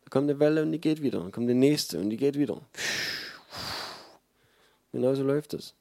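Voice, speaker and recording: A man preaching a sermon in a relaxed, mellow voice, talking to his congregation in a conversational and emphatic way with frequent fillers. The sound is dry and close, with little room around it. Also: mid-range voice, brisk, creaky, dry recording.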